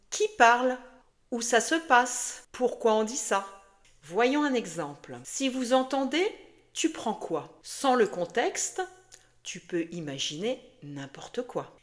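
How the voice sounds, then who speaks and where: A woman giving a scripted French lesson, speaking slowly and clearly and addressing the learner directly. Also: mid-range voice, fairly bright tone. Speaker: French teacher.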